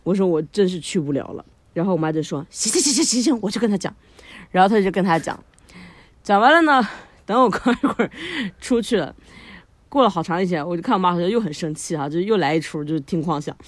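A woman co-hosting a podcast, telling a long personal story in a lively way, laughing often and using lots of fillers. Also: lowish voice, quick pace, dry recording. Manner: animated, frequent laughter, many fillers. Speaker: podcast co-host. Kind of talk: casual storytelling chat.

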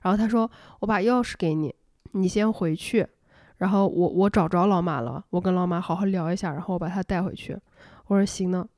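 A woman podcast host telling a personal story in casual chat, animated and laughing often. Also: fairly low pitch, a little fast, no room sound, studio quality. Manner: animated, laughs often, acts out quoted lines.

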